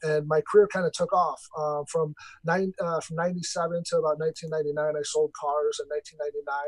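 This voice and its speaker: A man's unremarkable speaking voice, fairly high in pitch with fairly even intonation, in a dry, close sound with no echo. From Chicago area, Lake County, with Eastern Kentucky summers. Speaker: car dealership manager. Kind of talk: casual interview.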